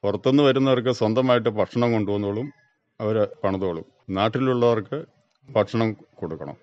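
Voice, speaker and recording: A man's voice: on the low side, fairly quick, a little mellow, no echo. A man with a Kerala accent, a farmer being interviewed, giving brief, plain, matter-of-fact answers. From Kerala, India. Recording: dull, band-limited dry radio recording.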